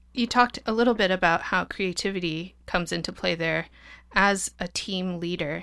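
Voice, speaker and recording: On a very clean recording with a silent background, a woman of medium pitch speaks at a moderate pace in a bright, sharp tone with vocal fry. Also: ordinary pitch variation. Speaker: podcast host. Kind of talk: scripted narration. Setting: studio.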